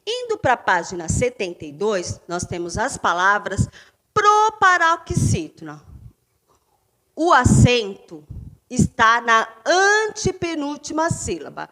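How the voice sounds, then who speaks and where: A Brazilian woman teaching a fifth-grade class in a remote lesson, stressing syllables loudly as she sounds out words. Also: on the high side, sing-song, measured pace. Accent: Brazilian Portuguese.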